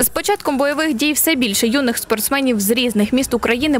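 Through noticeable background noise, a woman talks at a fairly quick pace with a high pitch and ordinary pitch variation. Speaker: TV news reporter. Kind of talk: scripted narration.

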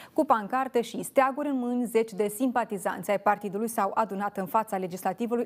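A woman with a Moldovan accent speaks at a very fast pace and a fairly high pitch. Her pitch varies in an ordinary way against a quiet background. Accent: Moldovan Romanian. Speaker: news anchor. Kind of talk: news reading. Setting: studio. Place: studio. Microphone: lapel.

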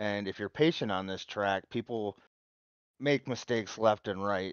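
This man's pitch is fairly low. He keeps to a moderate pace. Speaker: racing driver. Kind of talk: post-race interview. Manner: halting, with fillers.

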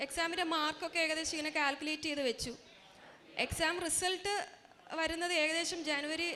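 A woman projects her high-pitched voice, raised and loud. Audible room echo surrounds it. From Kerala, India (Changanassery). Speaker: paediatric doctor. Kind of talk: testimony.

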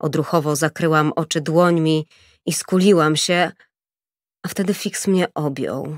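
A woman with a fairly low pitch talks at a very slow pace with ordinary pitch variation, in a dry sound with no echo over a quiet background. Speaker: audiobook narrator. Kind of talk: audiobook reading of a romance novel. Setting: studio. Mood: dramatic, tense storytelling. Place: booth. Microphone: studio mic.

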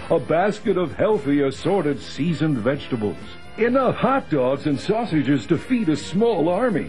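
With music in the background, a man talks at a fairly slow pace in a fairly high pitch that swings very widely. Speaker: infomercial voice-over announcer. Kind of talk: TV commercial read.

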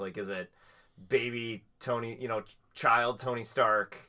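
A man speaks at a moderate pace and medium pitch. He has an unremarkable speaking voice. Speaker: podcast co-host. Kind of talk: casual chat.

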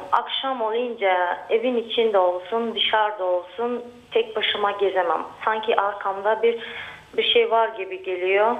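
A woman talks at a fairly slow pace and fairly high pitch. Her intonation stays fairly even over noticeable background noise. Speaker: audience member asking a question. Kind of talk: question to a religious scholar.

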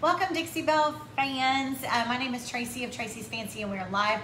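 There is audible room echo and light background noise as a woman speaks at a high pitch and a fairly quick pace. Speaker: craft painter hosting a livestream. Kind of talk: casual livestream chat. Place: home room. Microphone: phone near.

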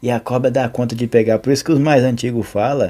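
A man talks fairly quickly at a medium pitch with ordinary pitch variation. Music plays in the background. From rural Brazil. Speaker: rural content creator. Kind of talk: casual commentary on a video. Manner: casual, conversational.

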